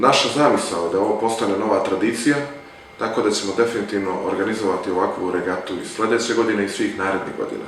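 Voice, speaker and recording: Talking at a very fast pace, a man uses a fairly low pitch and fairly even intonation. Noticeable background noise and audible room echo fill the recording. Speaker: marina director. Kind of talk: interview.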